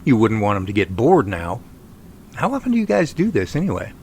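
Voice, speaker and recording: A man playing an eager, friendly researcher in an audio drama, with a creaky voice and a chatty, enthusiastic manner. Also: lowish voice, huge pitch swings, a little fast, darkish tone, a little hiss or hum. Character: eager, friendly Sasquatch researcher named Jerry. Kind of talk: amateur audio drama acting.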